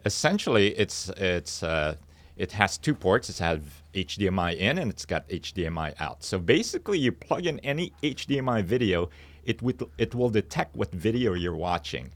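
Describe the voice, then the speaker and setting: A man speaking as a company guest in a studio interview, explaining things conversationally in a somewhat halting way. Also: on the low side, very animated, no room sound.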